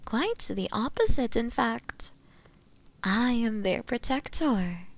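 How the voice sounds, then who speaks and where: A woman's voice: on the high side, animated, slow pace, exaggerated voice. A woman voicing a sly, seductive witch captor in a roleplay audio drama, teasing and condescendingly sweet, often slipping into whispers. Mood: soothing, coaxing. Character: sly, seductive female witch captor, possessive and self-assured.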